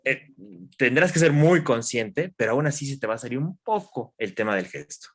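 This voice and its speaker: A man, a guest expert in an interview, explaining calmly with examples and questions to the listener. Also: medium pitch, moderate pace. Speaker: guest expert in human development.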